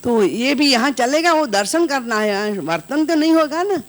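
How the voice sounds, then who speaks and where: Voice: high-pitched, lively intonation, normal speed. An audience member raising a question in a conversational, questioning way, with speech.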